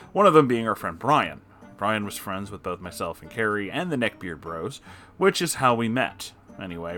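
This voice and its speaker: A man's voice: lowish voice, a bit bright. A man reading an online post aloud, breaking off now and then with disgusted reactions. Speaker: story reader.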